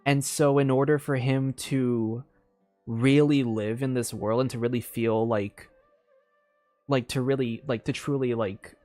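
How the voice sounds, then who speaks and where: Halting game streamer thinking out loud. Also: medium pitch, fairly even intonation, no echo, soft background music. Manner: halting, repetitive, thinking aloud. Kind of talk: casual gameplay commentary.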